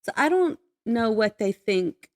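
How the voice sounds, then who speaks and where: A woman's voice: on the high side, sing-song, measured pace, a little mellow, dry recording, clean studio sound. An American woman co-hosting a podcast in casual chat, matter-of-fact and opinionated as she airs her complaints. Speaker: podcast co-host.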